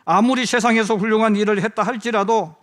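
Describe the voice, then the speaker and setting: A man's voice: high voice, fairly even intonation, quick pace, fairly bright tone. A middle-aged male pastor preaching a sermon. He tells the story vividly, acts out quoted voices and speaks directly to the congregation.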